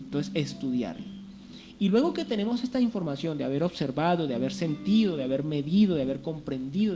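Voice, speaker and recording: A man's voice: fairly high pitch, low-quality recording. A man giving a reflective sermon on a Christian radio show, speaking conversationally with rhetorical questions and acted-out inner voices.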